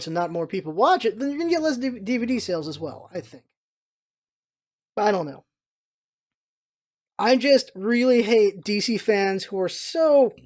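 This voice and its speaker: A vlog host with a mid-pitched voice talks casually and with strong opinions about what they watch. The delivery is emphatic and exasperated, leaning into a rant. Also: darkish tone. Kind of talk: casual opinionated movie commentary.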